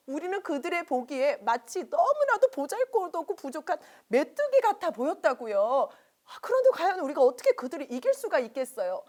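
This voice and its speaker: A woman voicing a fearful male scout who loudly exaggerates how strong the giants are. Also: very high-pitched, pitched above the performer's own voice. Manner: loud, insistent, exaggerated.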